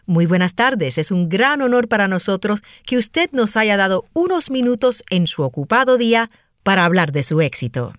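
A woman's voice: medium pitch, expressive, moderate pace, no echo, clean studio sound, lightly acted. A woman playing a polite radio show host who interviews her guest in a gracious, admiring manner, in a scripted listening-exam dialogue.

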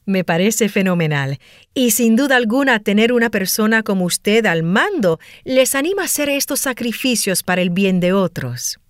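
A woman's voice: mid-range voice, animated, moderate pace, no echo, studio quality, lightly acted. A woman playing a polite radio show host who interviews her guest in a gracious, admiring manner, in a scripted listening-exam dialogue.

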